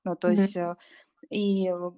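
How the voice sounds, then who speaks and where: A woman startup founder in a casual interview, talking with many pauses, fillers and restarts. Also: on the low side, level tone, dark tone, smooth. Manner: hesitant, many fillers and restarts, occasional laughs.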